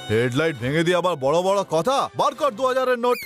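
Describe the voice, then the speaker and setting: A man's voice: sits high, sing-song, brisk, over music. A man voicing a pushy, cheeky male character who scolds in a cartoon dub. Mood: aggressive.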